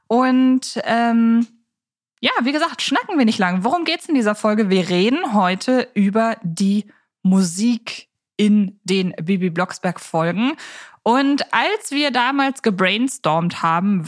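A woman co-hosting a podcast in a chatty style, often speaking straight to the listeners. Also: mid-range voice. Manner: chatty, addresses listeners directly. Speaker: podcast co-host.

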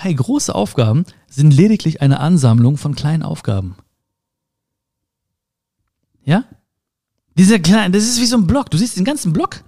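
Speaking straight to the listener, a man gives an informal pep talk packed with rhetorical questions and playful sound effects. He has a fairly high pitch with noticeable vocal fry. His manner is animated.

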